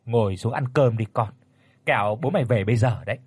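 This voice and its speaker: A man's voice: mid-range voice, brisk, breathy edge, no echo, pitched below the performer's own voice, natural voice. A man voicing a worried peasant mother hurrying her daughter to eat. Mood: anxious.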